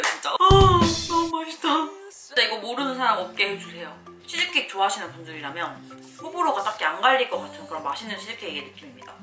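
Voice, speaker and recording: A young woman giving a casual, expressive food review to camera as she tastes, with a playful manner. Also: mid-range voice, roomy sound. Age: young adult. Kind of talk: casual review chat to camera while tasting baked goods. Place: small living room at home, also a cafe. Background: background music.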